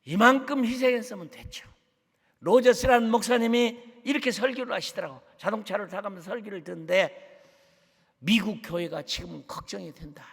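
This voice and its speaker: A man preaching a sermon as a guest missionary, fervent, dropping to hushed tones and rising to shouts. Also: high-pitched, creaky, husky. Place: church sanctuary. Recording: long church hall reverb.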